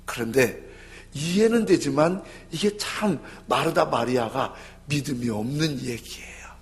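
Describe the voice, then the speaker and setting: A man's voice: mid-range voice, unhurried. A male pastor preaching a sermon, telling the story with feeling and acting out the voices of the people in it. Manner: animated storytelling, acts out voices of biblical figures. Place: church.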